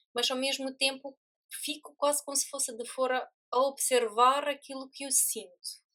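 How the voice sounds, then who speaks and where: Raised and projected, a woman's high, bright, sharp voice holds a monotone, flat intonation at a moderate pace. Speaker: hypnotherapist. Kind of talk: spiritual self-help talk. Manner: halting.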